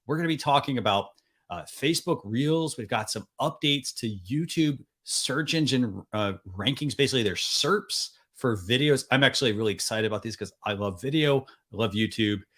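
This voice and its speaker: A man's voice: medium pitch, animated, normal speed, a bit bright. Guy hosting a weekly web talk show, easygoing and chatty, lots of ums and you knows. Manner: friendly, loose, many fillers.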